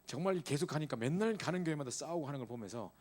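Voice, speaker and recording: A man's voice: fairly high pitch, expressive, quick pace. A middle-aged male pastor preaching an emphatic sermon to a church youth group, asking rhetorical questions and checking in with his listeners again and again.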